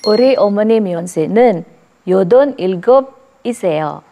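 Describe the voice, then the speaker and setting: Female student, forties, very slow, animated intonation, music behind. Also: medium pitch, gravelly. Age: 40s. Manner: slow, halting learner speech. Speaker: language student. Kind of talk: classroom practice.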